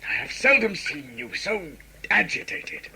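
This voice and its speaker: A man's voice: high-pitched, sing-song, a little slow, sharp tone, full character voice. A man acting a proud, commanding tribal lord and stern adoptive father in a sci-fi audio drama, speaking formally. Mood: tender, grave. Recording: amateur audio play with background noise.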